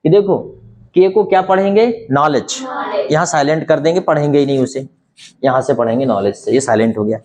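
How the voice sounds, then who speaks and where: In a fairly high voice with a darkish tone, a man whose first language is Hindi gives a spoken English lesson. He takes his explanations slowly and leans on plenty of rhetorical questions.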